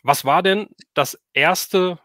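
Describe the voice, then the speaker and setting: Middle-aged male streamer, slightly high voice, dry close sound, relaxed conversational storytelling. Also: slow pace, no echo. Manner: reminiscing, conversational. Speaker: livestream host. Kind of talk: casual chat.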